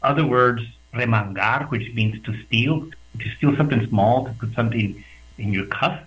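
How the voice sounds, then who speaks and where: Animated man explaining over a call. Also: mid-range voice, moderate pace, rough recording. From West Texas border region. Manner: animated, thoughtful with hesitant restarts. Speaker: radio guest, researcher. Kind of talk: conversational explanation. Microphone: video call.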